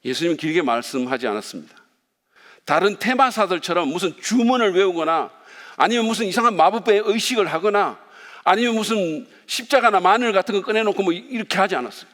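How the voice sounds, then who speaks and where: Man preaching, bright high voice, animated swings, long church-hall reverb. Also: fairly quick. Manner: lively, playful, speaks directly to the congregation. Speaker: pastor. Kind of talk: sermon. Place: church sanctuary.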